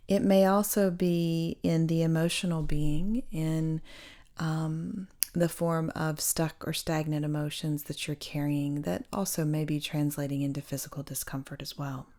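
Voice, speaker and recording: A woman speaking as a meditation guide, giving gentle, hushed spiritual instruction with pauses. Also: low-pitched. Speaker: meditation guide and sound healer.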